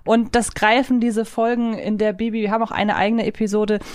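A woman's voice: a little high, level tone, brisk, a little mellow, no room sound, studio quality. A woman co-hosting a podcast, chatting casually with her guests in conversational questions and reflections. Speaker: podcast co-host.

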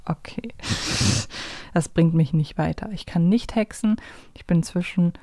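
A woman's voice: fairly low pitch, animated, a little slow, mellow, no room sound. A woman co-hosting a guessing game in casual chat, thinking aloud and asking short questions. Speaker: co-host of a fan quiz show.

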